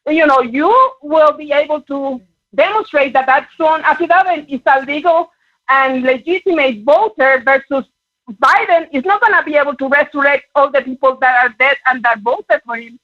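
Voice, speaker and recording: A woman with a Puerto Rican accent calling in to a talk show, speaking earnestly with halting pauses. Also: high voice, dry recording. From Puerto Rico. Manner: earnest, halting, many fillers. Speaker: caller. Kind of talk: call-in chat. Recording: dull phone line.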